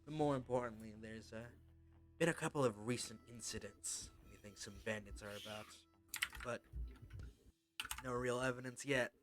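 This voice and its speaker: A man playing a weary, wary local patrolman in a tabletop game, speaking haltingly with grim understatement. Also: medium pitch, fairly even intonation, soft background music, close to an everyday voice. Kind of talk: tabletop game role-play.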